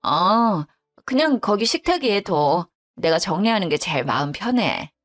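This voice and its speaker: A woman's voice: mid-range voice, big pitch swings, unhurried, soft background music. A woman voicing a grumbling, self-pitying widowed mother-in-law who speaks curtly. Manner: curt, self-pitying, sighing.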